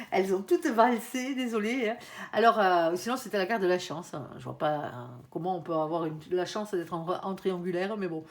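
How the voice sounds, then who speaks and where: A woman giving a casual, chatty tarot reading, often tagging her sentences and speaking to her guardian angel. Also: medium pitch. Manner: chatty, frequent tag "hein", addresses her angel. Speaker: tarot card reader.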